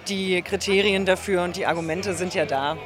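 A man answering questions in a casual interview outdoors in town, speaking in a relaxed, hedging way. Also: high-pitched, moderate pace, over music. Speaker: interviewee at a demonstration.

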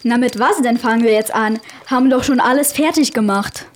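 A woman's voice: a little high, fairly quick, lightly acted. A female performer playing a bossy, skeptical member of a cute animal gang in a children's story play.

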